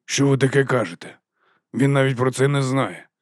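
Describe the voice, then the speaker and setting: Worn-out city watchman, mid-pitch, mumbled and subdued, in a male reader's own voice. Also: moderate pace, dry recording, studio quality, lightly acted. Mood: sheepish. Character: weary middle-aged male watch captain, sheepish. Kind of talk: audiobook character voice.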